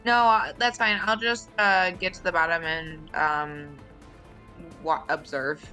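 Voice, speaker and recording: A woman speaks in a bright, slightly low voice as a player in a tabletop game. Her talk is casual and tentative, full of questions. Faint music sits behind her. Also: fairly even intonation, slow pace.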